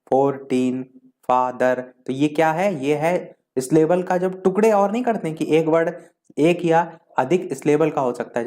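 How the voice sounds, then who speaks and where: A male teacher giving an exam revision lesson, explaining step by step and listing terms one by one, slowing down to read out definitions. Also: on the high side, warm tone. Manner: slows down to read out English definitions.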